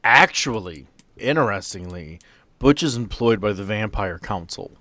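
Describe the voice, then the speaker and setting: A man narrating an improvised tabletop horror game as game master, with theatrical storytelling and dramatic pauses. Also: on the low side, expressive, pushed and bright, no echo. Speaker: game master, podcast host.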